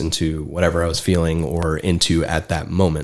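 This man's voice is very deep and low, captured on a very clean recording with a silent background. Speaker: musician and illustrator. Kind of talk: casual interview chat.

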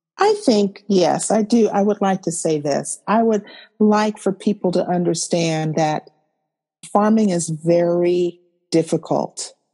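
A woman's medium-pitched, somewhat breathy voice, dark and mellow in tone, with fairly even intonation, at a fairly slow pace, over a quiet background. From California, military town. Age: 50s. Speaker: farmer and author. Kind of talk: interview.

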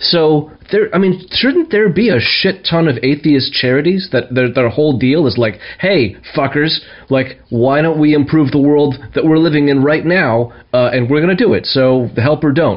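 In a normal speaking voice, a man with an American accent talks at a moderate pace and fairly high pitch, with ordinary pitch variation and very even loudness. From New York. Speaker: podcast host. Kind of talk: casual chat.

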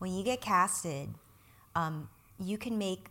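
A woman's fairly low, bright, sharp voice with vocal fry, lively intonation and an American accent, fairly slow, on a very clean recording with a silent background. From California. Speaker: Broadway performer. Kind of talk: interview.

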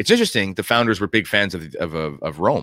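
A very fast delivery in a dry, close sound with no echo. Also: man. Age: 30s. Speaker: podcast co-host and commentator. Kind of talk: casual panel discussion.

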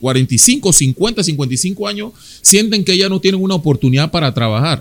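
A man speaks at a fairly slow pace. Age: 40s. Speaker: podcast host. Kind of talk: panel discussion.

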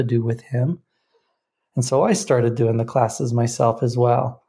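A man's medium-pitched, somewhat breathy voice with an American accent, dark and mellow in tone, at a moderate pace. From Oregon coast. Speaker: computer programmer, podcast co-host. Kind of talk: interview, personal testimony. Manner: halting, repeats words.

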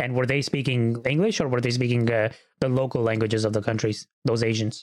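Medium-pitched, a man talks at a very fast pace. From Pakistan, moved to US at age six. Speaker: podcast host. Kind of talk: casual interview chat.

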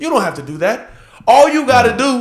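Lively intonation marks this man's voice. He talks at a very fast pace. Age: 20s. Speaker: podcast host. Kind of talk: casual chat. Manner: animated.

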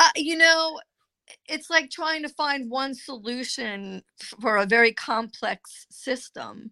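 With a New York accent and a high pitch, a woman speaks in a raised, projected voice with a bright, sharp tone at a very slow pace, with ordinary pitch variation, big swings in loudness and a dry, close sound with no echo. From New York City (Brooklyn). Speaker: energy healer. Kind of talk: interview.

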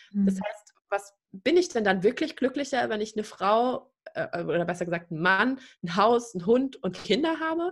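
At a moderate pace, a woman with a fairly high voice makes very wide pitch swings. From Baden-Württemberg, Germany. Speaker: life coach. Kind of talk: interview.

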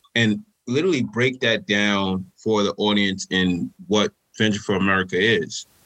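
A man's fairly low voice, bright and sharp in tone, at a moderate pace with ordinary pitch variation, very even loudness and a dry, close sound with no echo. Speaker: podcast co-host. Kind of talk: casual interview.

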